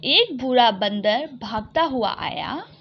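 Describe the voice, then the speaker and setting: A woman with a high voice reads a children's story to young pupils, taking her time over each line. She goes over every sentence again and explains it. The recording sounds a little dull and muffled. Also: animated, slow pace, a little hiss or hum. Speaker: teacher.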